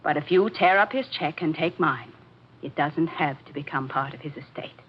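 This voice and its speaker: An actress playing an intense, insistent woman with an obsessive streak, dramatic and deliberate in 1940s radio mystery style. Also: low-pitched, a little hiss or hum, lightly acted. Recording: muffled old-time radio recording with music.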